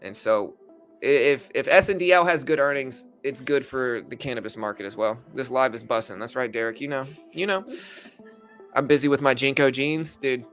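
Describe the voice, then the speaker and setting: A man's voice: mid-range voice, normal speed, fairly bright tone, soft background music. A man in his thirties hosting a casual trading livestream, laid-back and rambling, full of slang. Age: 30s. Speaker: livestream host. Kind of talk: casual livestream chat about stocks.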